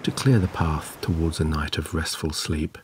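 Really low male voice doing sleep hypnosis, gentle and soothing, measured delivery, waves faintly in the back. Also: steady tone, slight background noise. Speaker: hypnosis and meditation guide. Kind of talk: guided sleep meditation, scripted narration. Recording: clear background ambience of waves. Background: relaxing ocean wave sounds.

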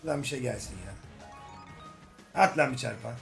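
A young man giving casual, joking commentary while playing slot games, swinging from grumbling to excited hype. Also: mid-range voice, a little fast, vocal fry. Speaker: slot game streamer. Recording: faint music behind voice. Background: faint game music.

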